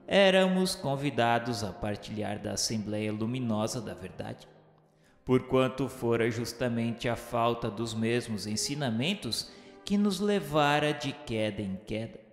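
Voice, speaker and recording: A man's voice: mid-range voice, expressive, measured pace. Man as a solemn, echoing radio-novel narrator. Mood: solemn, exhortatory. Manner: grandiloquent, solemn, oratorical. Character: solemn, reverent male memoirist, a repentant soul recalling the afterlife. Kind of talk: dramatic scripted literary narration. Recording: very reverberant hall sound with music.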